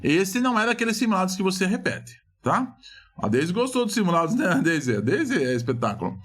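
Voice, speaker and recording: A middle-aged Brazilian man leads an exam review in a high, lively voice. He swings his pitch widely and leans hard on key words. He keeps asking questions and then answering them himself. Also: brisk, husky. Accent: Brazilian Portuguese. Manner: animated, emphatic, often asks and answers his own questions. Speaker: exam prep teacher.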